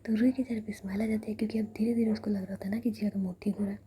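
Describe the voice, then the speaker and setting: Whispering woman storyteller, dark hushed voice. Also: medium pitch, level tone. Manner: hushed, intimate, unhurried.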